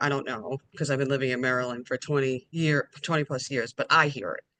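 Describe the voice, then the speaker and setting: This woman has a strong Long Island accent and a very deep, low pitch, speaking at a fairly quick pace. The sound is dry and close with no echo, and her tone is bright and sharp. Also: hardly any pauses. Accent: Long Island accent, strong by her own account. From Long Island, New York. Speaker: real estate agent. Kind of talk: webinar panel discussion.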